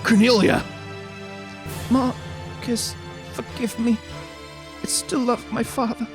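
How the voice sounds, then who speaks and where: Man putting on a high, melodramatic young princess. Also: little pitch movement, takes it slowly, music in the background. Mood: pleading. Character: lovelorn young stage princess, tender and defiant.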